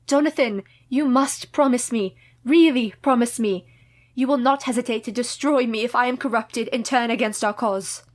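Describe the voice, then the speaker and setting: An actress playing a grave, resolute young wife in a radio play, formal and earnest. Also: female voice, on the high side, normal speed, close to an everyday voice. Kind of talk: community radio play acting.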